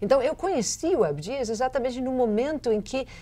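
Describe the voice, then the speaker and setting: A woman speaks with a dark, mellow tone. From US, western New York (Buffalo); western New York. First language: English (speaking Portuguese). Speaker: author and professor; professor. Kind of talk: TV interview. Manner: halting, many fillers. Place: studio. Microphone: lapel.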